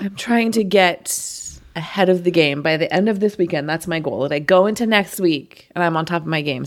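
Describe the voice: Putting on a character voice, a woman talks fairly quickly at a fairly low pitch, sounding hoarse and raspy.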